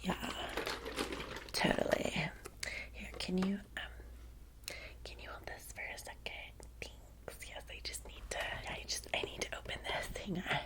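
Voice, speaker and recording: A woman playing a vampire's chatty, fawning young assistant in an ASMR roleplay, soft-spoken and breathy, with an American Valley girl accent and rambling, hesitant phrasing. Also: fairly low pitch, fairly even intonation, unhurried, close to an everyday voice. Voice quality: breathy, mostly whispered.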